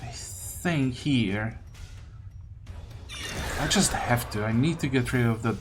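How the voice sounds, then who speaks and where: A man's voice: mid-range voice, slow pace. A man giving casual gameplay commentary, thinking aloud and muttering questions to himself as he plays. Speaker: gaming video host. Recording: game music behind the voice. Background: video game music.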